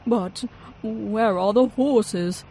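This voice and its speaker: A woman voicing an excitable Victorian male inventor who travels through time, speaking in loud, dramatic exclamations. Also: medium pitch, extremely slow, a little hiss or hum. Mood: astonished.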